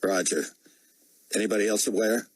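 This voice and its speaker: A man playing a tired young husband on night watch, hushed and terse. The voice is low, husky and breathy. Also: fairly even intonation, normal speed, no room sound, poor audio.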